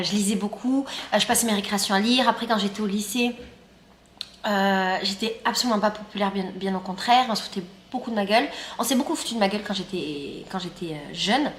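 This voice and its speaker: A woman's voice: mid-range voice, a bit bright, a little hiss or hum. A woman in her thirties from France, chatting casually in a vlog while eating breakfast. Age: 30s. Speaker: YouTuber and guide. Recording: roomy sound with faint ambience.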